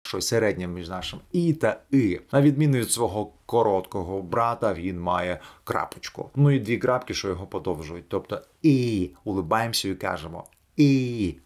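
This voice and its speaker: A man teaching English pronunciation in a video lesson, demonstrating sounds slowly and clearly. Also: fairly low pitch, lively intonation.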